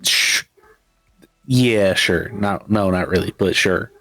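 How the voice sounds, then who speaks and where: Low-voiced male game master. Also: slow, dry recording, poor audio. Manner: relaxed, rambling with many fillers. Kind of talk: narrating a tabletop game.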